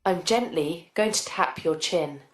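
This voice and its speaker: A woman's voice: on the low side, unhurried. A woman acting as a clinician, giving polite, simple step-by-step instructions to a patient. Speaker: clinician demonstrating an examination. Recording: echoey room.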